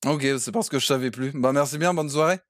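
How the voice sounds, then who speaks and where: Cheeky slangy man, higher voice. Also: fast. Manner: slangy, cheeky, laughs often. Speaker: streamer roleplaying a defendant. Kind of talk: in-character roleplay chat.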